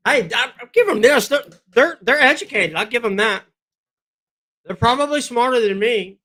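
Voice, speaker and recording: A man hosts a political livestream in a high, bright voice. He is blunt and combative and talks straight to his viewers, and his voice is going hoarse, with frequent throat clearing. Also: lively intonation, normal speed. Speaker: livestream host.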